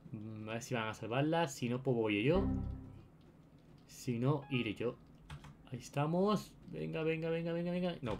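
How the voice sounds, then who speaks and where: Higher-pitched young Spanish man, gaming host. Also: darkish tone, a little hiss or hum. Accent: Spain Spanish. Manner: chatty, repeats phrases, addresses viewers. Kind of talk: casual live gameplay commentary.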